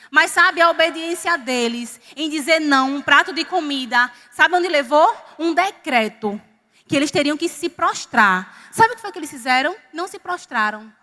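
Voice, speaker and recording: High bright-voiced woman preacher. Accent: Northeastern Brazilian. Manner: storytelling with lively quoted dialogue. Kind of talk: sermon. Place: church hall. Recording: reverberant church hall.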